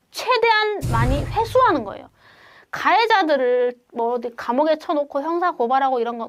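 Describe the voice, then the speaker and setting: Woman, lawyer host, high voice, emphatic and direct, slows to stress points. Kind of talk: explaining legal advice to viewers.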